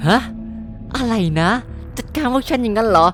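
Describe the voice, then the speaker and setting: A woman's voice: a little high, expressive, moderate pace, soft background music, close to an everyday voice. A woman voicing a brash, aggressive male thug in a game cartoon. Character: rough male café gang thug.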